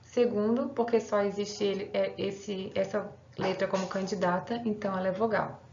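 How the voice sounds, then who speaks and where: A woman's voice: medium pitch, fairly even intonation, normal speed, noisy background. A woman teacher giving a recorded online grammar lesson, explaining patiently step by step and checking in with her students. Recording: roomy, slightly dull home recording.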